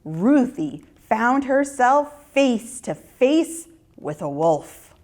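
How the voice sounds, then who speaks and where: A woman reading a children's story in an expressive, deliberate narrating style. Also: on the high side.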